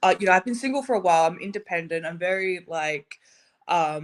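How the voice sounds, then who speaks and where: Lively intonation in a woman's voice of medium pitch. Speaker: guest seeking dating advice. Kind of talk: casual advice chat.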